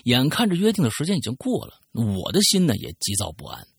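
Male host, husky and gravelly, dry close recording; expressive storyteller. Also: mid-range voice, fast talker, no echo. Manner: very expressive, shifting voices. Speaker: podcast host reading listener messages. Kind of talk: casual chat and story reading.

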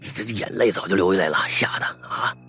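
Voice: sits low, quick pace, pushed and bright, husky, faint music behind. A storyteller narrating a ghost story dramatically, often stammering and repeating words for suspense.

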